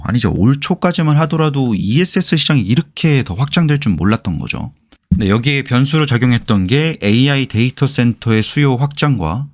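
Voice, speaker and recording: Guy hosting an investing channel, explains stuff informally, really lively up and down pitch. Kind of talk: explanatory commentary on company earnings.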